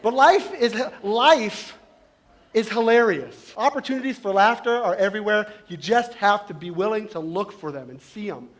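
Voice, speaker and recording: A man giving a humorous motivational talk to a live audience, playful and quick to slip into exaggerated comic voices. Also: high voice. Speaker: motivational speaker. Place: event hall with live audience. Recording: echoey hall with audience.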